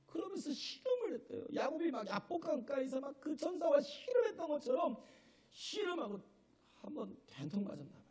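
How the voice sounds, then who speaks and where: A male pastor preaching a sermon in a church, emphatic, often checking in with the congregation, building to shouted and tearful peaks. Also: very high-pitched. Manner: emphatic, keeps asking the congregation "예?". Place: church sanctuary.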